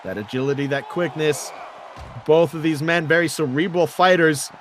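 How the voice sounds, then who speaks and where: A man with a high voice calls a wrestling match live. He is an excitable commentator who leans into dramatic exclamations. There is some noise behind him. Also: moderate pace, a faint crowd.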